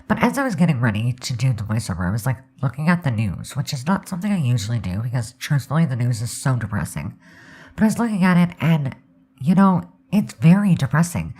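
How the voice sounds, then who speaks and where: Hoarse, very low-voiced woman. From Canada. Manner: rambling, candid, lots of um and like. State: hoarse, scratchy sore throat. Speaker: Sims speed build creator. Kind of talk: casual voiceover chat.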